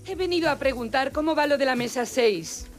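A woman's voice: sits high, lively intonation, brisk, soft background music. An actress playing a falsely sweet, self-pitying female head waiter in an audio drama, with a Castilian Spanish accent. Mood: falsely cheerful.

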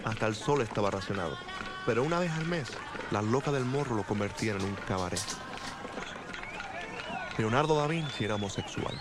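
An actor with a Cuban accent playing an imprisoned writer who calmly narrates his life in prison, in a film voice-over. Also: on the low side, fairly quick, long pauses, close to an everyday voice. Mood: wry, reflective. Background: loud film music.

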